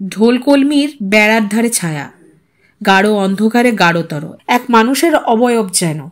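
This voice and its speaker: A woman's voice: mid-range voice, expressive, measured pace. A woman narrating a literary audio story in a dramatic, scripted reading style.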